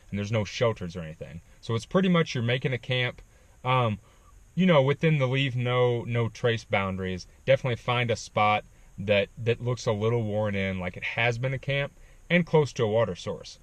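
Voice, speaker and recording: A man casually telling a backpacking story, animated, with frequent ums. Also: medium pitch, no echo. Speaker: backpacking vlogger.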